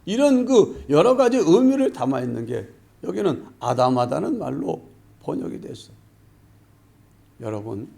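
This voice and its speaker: A man's voice: medium pitch, creaky, dark tone. A male pastor preaching a sermon, emphatic and repeating key phrases, often acting out quoted dialogue.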